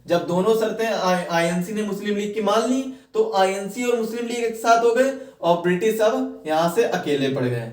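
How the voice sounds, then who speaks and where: A man's voice: sits high, a little mellow. A man teaching an exam-prep history class, lecturing with rhetorical questions and repeating key phrases for note-taking. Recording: roomy echo, distant microphone.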